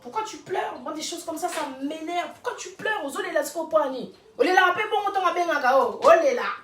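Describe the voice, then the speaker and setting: A woman's voice: very high voice, animated, fairly quick, fairly bright tone. A woman, speaking in an emphatic, fiery casual rant and repeating rhetorical questions. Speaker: vlogger. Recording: roomy sound from a distant mic.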